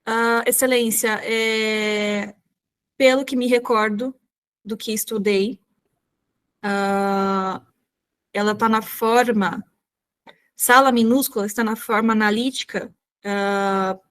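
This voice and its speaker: A woman's voice: fairly high pitch, steady tone, slow pace, pauses often, a bit bright, clean tone. A woman with a Brazilian Portuguese accent answering as a candidate in a mock oral exam. She is polite and formal and often hesitates with fillers. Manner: polite and hesitant, many fillers, addresses the examiner as "Excelência".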